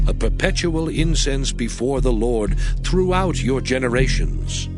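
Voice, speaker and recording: Music plays clearly behind a man reading scripture as dramatized narration. His delivery is solemn and declamatory, with animated rises and falls in a mid-range voice. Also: mid-range voice. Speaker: audiobook scripture reader.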